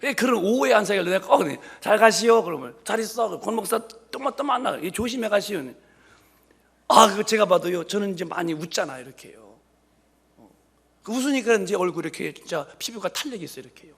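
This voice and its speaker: A pastor in his late fifties preaches with a high, lively voice that leaps up and down as he jokes with his congregation. His tone is husky and gravelly, full of rhetorical questions and playful asides. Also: fast talker. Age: 50s. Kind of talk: humorous sermon. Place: church sanctuary.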